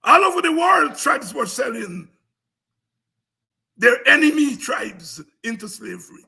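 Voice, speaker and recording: Raspy, impassioned Guyanese man, high-pitched. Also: very animated, a little slow, sharp tone. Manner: emphatic, repetitive, combative. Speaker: host of a politics and history talk programme. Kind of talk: impassioned informal history lecture to an audience.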